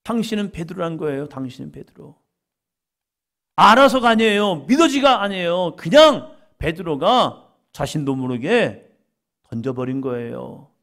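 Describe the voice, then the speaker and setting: A middle-aged man preaching a sermon as pastor, acting out dialogue with sudden loud, emphatic rises. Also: a little high, very animated, moderate pace, creaky.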